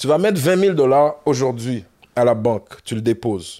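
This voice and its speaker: A man speaks in an ordinary speaking voice at a medium pitch with lively intonation. The recording is very clean, with a silent background. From Montreal, Saint-Léonard. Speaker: rapper. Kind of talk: casual interview.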